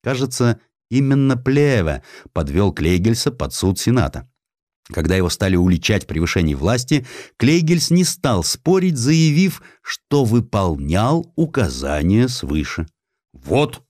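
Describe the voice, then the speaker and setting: A man narrating a satirical historical story in an expressive, theatrical, ironic manner. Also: on the low side, moderate pace, no room sound, studio quality. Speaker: audiobook narrator.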